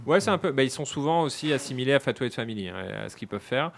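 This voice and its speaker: Male radio host, casual studio chat, halting delivery full of fillers. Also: mid-range voice, expressive, slight background noise. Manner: hesitant, many fillers and restarts.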